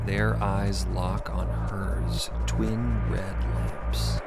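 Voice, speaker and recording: A narrator giving dramatic scripted narration in a deliberate, theatrical manner. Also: sits low, very animated. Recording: loud music bed. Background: loud cinematic music.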